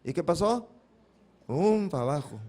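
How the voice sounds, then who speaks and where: A man's voice: fairly high pitch, very animated, normal speed, mellow. A male pastor giving a Sunday sermon, posing questions to the congregation and answering them himself, acting out the cries of the Bible figures. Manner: acts out biblical cries dramatically.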